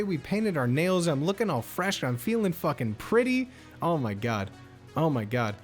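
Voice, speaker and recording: A man livestreaming, chatting casually with viewers in a slangy, rambling way, full of bro and homie. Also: on the high side. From United States. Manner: slangy and laid-back, often saying bro and homie; rambling, with many fillers and restarts.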